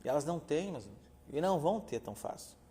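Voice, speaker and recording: A man's voice: a little high, very animated, racing, warm tone. A man, a pastor teaching a theology class, speaking earnestly and often checking in with his listeners as brothers. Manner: earnest, addresses listeners as brothers, many filler "né". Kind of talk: classroom Bible lecture. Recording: reverberant hall.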